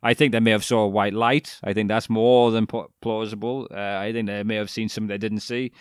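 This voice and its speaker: A man's voice: lowish voice, little pitch movement, brisk, clean tone, no echo, clean studio sound. A man co-hosting a podcast, rambling through a casual chat about a documentary with frequent restarts, fillers and the odd swear word. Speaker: podcast co-host.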